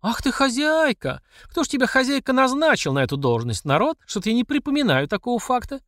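A male narrator voicing a fierce older mother who shouts, mocks and speaks in folksy sayings. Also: very high-pitched, big pitch swings, brisk, dry recording, studio quality, pitched above the performer's own voice, full character voice. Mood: indignant. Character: fierce, furious older working-class mother.

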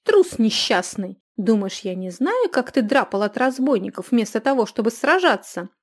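A woman reader voicing a furious, scolding middle-aged female innkeeper who yells and nags. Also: sing-song, takes it slowly, exaggerated voice. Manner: shrill, yelling, sharp-tongued.

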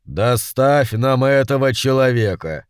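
A man voicing a pompous ancient demon lord who speaks in a slow, booming, imperious manner in an audiobook. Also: expressive, clear, resonant tone, no room sound, studio quality, close to an everyday voice. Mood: menacing. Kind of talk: audiobook character voice.

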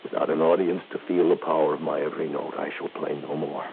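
An actor playing a grandiose, self-pitying violinist in an old radio drama, declaiming melodramatically. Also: male voice, extremely low pitch, flat delivery, fast, gravelly. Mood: anguished, self-pitying. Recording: tinny, hissy old radio recording.

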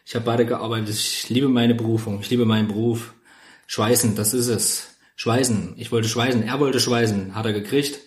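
Casting: man improvising proud male welder, melodramatic, halting mock-solemn storyteller, echoey room. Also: mid-range voice, fairly even intonation, lightly acted. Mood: mock-solemn nostalgia. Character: proud, melodramatic welder nostalgic for his old life.

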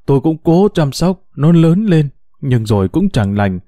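A man's voice: on the high side, big pitch swings, measured pace, warm tone, no echo, voice pushed up. A man voicing a tearful middle-aged village woman who pleads in a choked voice, in a storybook reading.

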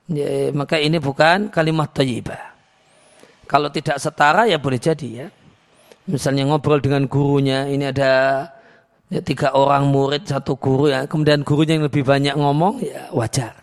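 A man giving an Islamic lecture on hadith, explaining calmly with many restarts and reciting Arabic verses before translating them. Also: mid-range voice, moderate pace, creaky. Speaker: Islamic teacher.

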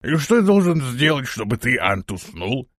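A man voicing a calm, unhurried adult male companion in an audiobook, speaking low and deadpan. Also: no echo, studio quality. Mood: grumbling.

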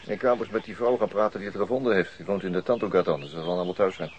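A practical, take-charge policeman with a fairly low voice, performed by a man. The delivery is firm radio acting, and the recording has audible noise. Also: rapid-fire, darkish tone, dull audio, close to an everyday voice. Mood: grim, practical.

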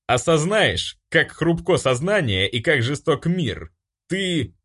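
A stern, pompous male angel from a fantasy audiobook, performed by a man. He declaims slowly and grandly, pitched above the reader's own voice, with lively swings. His patience runs thin. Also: slightly rough, heavily acted. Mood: solemn. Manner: solemn, grandiose, then snapping.

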